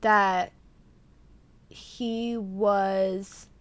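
A woman's voice: medium pitch, little pitch movement, drawn-out words, no room sound. Young woman, podcast co-host, casual true-crime storytelling, filler-heavy, dry close sound. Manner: chatty, full of "like" and "um", reads notes aloud.

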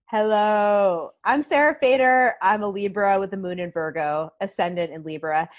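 A woman chatting as a guest on a podcast, bubbly and talkative, full of quick asides. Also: mid-range voice, muffled recording. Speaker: podcast guest, nonprofit founder. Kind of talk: casual podcast chat.

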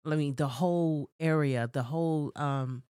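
A woman's voice: low voice, a little slow, warm tone, clean tone, no room sound, studio quality. A woman co-hosting a podcast, chatting casually and telling rambling stories with laughs. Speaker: podcast co-host. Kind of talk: casual chat.

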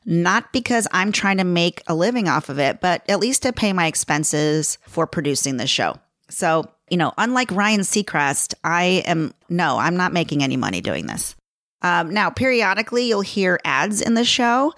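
A middle-aged woman with a Chicago accent talks through her podcast in a chatty, self-deprecating way, laughing easily. Her voice sits a little low, and the recording is close and dry with no room sound. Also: lively intonation, normal speed, a bit bright, dry recording. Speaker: podcast host. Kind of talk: casual solo podcast talk.

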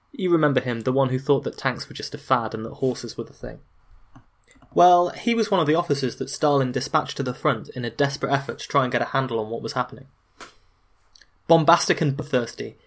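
Male history narrator, mid-range pitch, scripted delivery, dry and sardonic. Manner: wry and opinionated, with dry sarcastic asides.

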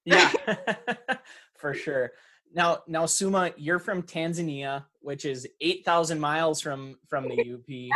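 A man hosting a casual interview podcast, from Michigan's Upper Peninsula, talking in a relaxed, rambling way full of restarts. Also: a little high, slow. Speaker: podcast host.

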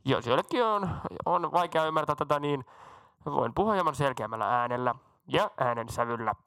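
Bumbling captain making a cabin announcement, put on by a man: smooth, bright, slightly high, deadpan, rambling. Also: no room sound. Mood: self-assured. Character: bumbling boastful male airline captain. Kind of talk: comedy sketch.

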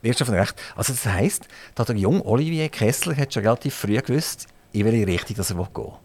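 A man's voice: lowish voice, expressive, fairly quick, a little mellow. Male radio host, Swiss German accent, chatty, jokey interviewer. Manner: chatty, jokey, asks many follow-up questions. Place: radio studio.

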